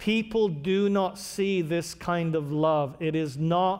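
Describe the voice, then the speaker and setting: The recording carries audible room echo. A man with a high pitch speaks at a very slow pace. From northern England, Manchester. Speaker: pastor. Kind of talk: sermon.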